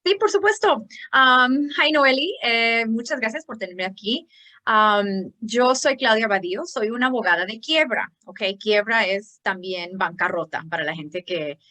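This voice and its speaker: A woman from Chicago, a bankruptcy lawyer, answering interview questions in a chatty, hesitant way with frequent pauses and restarts. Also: a little high, animated, pushed and bright. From Chicago, United States.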